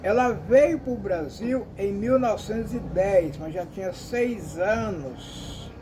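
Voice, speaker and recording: Man, high-pitched, emphatic, repetitive, faint background hiss. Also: animated, takes it slowly. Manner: emphatic, repetitive, addresses listeners as "gente". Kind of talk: opinion commentary monologue.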